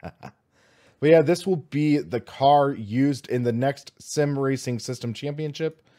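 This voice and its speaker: A young American man hosts a sim racing livestream in a casual, upbeat style, speaking informally and enthusiastically as if chatting with friends. His voice is average in pitch, slightly hoarse and warm, and he talks slowly.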